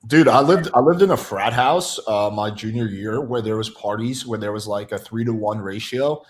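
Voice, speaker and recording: A man's voice: lowish voice, normal speed, a little hiss or hum. Candid, self-deprecating young man. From Russia. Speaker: podcast guest. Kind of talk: casual chat.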